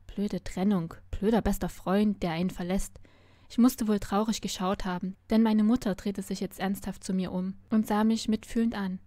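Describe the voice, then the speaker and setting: Woman reader, expressive first-person narration, mellow dry voice. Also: medium pitch, moderate pace, no echo. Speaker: story reader. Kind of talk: reading a novel aloud.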